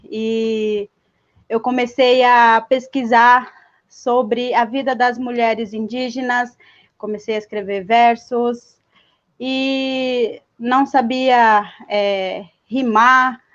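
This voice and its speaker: Slow, hesitant young woman rapper. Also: on the high side, fairly even intonation. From Mato Grosso do Sul, Brazil. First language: Guarani. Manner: slow and hesitant, many fillers. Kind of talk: live stream talk. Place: indoors, seated. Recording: dull lo-fi sound.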